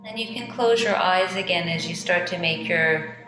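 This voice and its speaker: Low-voiced woman guiding meditation in echoey space. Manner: gentle, unhurried, soothing. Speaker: yoga and meditation teacher. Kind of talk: guided meditation instruction. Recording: echoey reverberant room with music behind.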